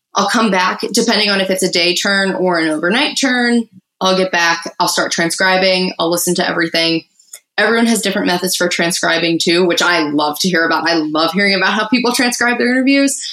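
An ordinary speaking voice from a woman, medium in pitch with ordinary pitch variation, very even loudness and a fairly quick pace. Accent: American. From US Northeast, Philadelphia area. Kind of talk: interview.

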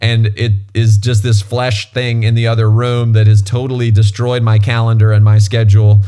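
A man with an American accent, fairly low in pitch, at a moderate pace, with noticeable background noise. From US South. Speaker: podcast host. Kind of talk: casual interview chat. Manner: animated.

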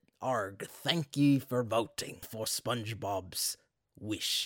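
Using a put-on character voice, a man talks at a very slow pace in a medium pitch.

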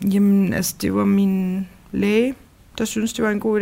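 A normal speaking voice with fairly even intonation. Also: woman. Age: 20s. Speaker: single mother and university student. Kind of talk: casual interview.

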